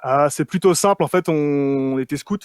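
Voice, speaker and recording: A young man from France, a relaxed guest who talks with many fillers. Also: fairly high pitch, moderate pace, no echo, studio quality. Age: young adult.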